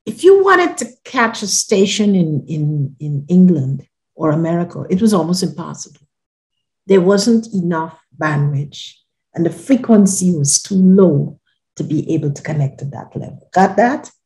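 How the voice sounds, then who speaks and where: A woman's voice: on the low side, sing-song, measured pace. Older Guyanese-born woman, earnest storyteller. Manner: earnest, emphatic, often trailing off softly. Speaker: podcast guest. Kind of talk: personal storytelling. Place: home living room. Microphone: video call.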